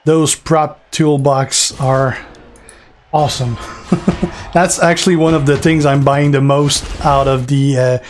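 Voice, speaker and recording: A man's voice: on the high side, takes it slowly, slight background noise. A man in his forties, French by first language and with a French accent, chatting loosely with his live-stream viewers and answering them by name. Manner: relaxed, rambling, answers chat by name, fillers. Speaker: gaming streamer. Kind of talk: casual live-stream chat.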